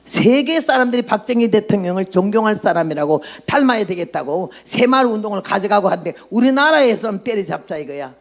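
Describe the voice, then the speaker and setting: An elderly woman in her nineties preaches with blunt, outspoken energy, mixing testimony into her sermon and pausing to quiz her listeners. Her voice is gravelly and rough. She laughs at her own bold remarks as she goes. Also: medium pitch, expressive. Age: 90s. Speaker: missionary preacher.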